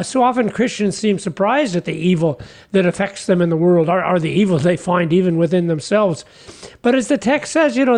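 An actor playing a humble, folksy fisherman apostle in a comic radio sketch, earnest and chatty, halting over his words. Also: sits high. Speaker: guest character.

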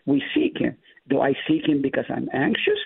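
Man, native Hebrew speaker, from the Middle East, husky and gravelly, lively emphatic pitch, tinny phone-line sound. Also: normal speed. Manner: emphatic, explaining with rising stress. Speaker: pastor guest. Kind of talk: Bible study discussion.

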